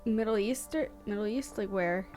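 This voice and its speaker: Young female co-host, mid-pitched, curious, quick follow-up questions, faint music behind. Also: a little mellow. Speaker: podcast co-host. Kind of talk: casual chat.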